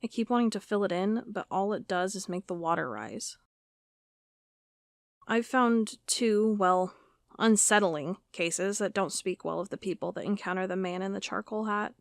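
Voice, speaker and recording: An actress playing an uneasy, dogged FBI agent dictating case notes in an audio drama, halting and conversational. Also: female voice, medium pitch, creaky, dry recording, studio quality, natural voice. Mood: troubled, searching. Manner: halting, conversational, self-correcting. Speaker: FBI records agent character. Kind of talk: audio drama monologue, spoken like a recorded log.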